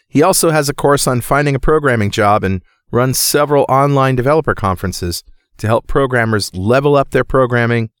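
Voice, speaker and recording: Jokey podcast host, dry close sound. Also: male voice, medium pitch, no room sound. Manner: jokey, upbeat, fond of asides. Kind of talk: casual podcast chat.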